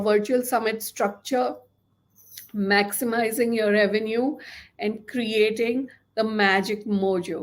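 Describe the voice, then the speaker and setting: A strong Indian accent comes through at a very slow pace. The intonation stays fairly even. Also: woman. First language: non-native English speaker. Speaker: online business coach. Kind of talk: sales pitch.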